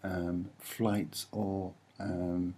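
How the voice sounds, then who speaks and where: A soft-spoken man with a husky voice, giving a casual, musing and hesitant commentary as he explains what he sees. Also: sits low, flat delivery, very slow. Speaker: video narrator.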